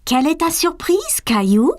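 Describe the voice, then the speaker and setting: A woman's voice: very high voice, sing-song, normal speed. A woman voicing a kind, patient mother in a children's cartoon, soothing and encouraging.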